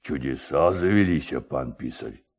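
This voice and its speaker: A man voicing a blustering middle-aged village headman, slow, weighty and imperious, in a dramatised story. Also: very deep voice, darkish tone, breathy edge, voice pushed down, exaggerated voice. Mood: gruff, suspicious.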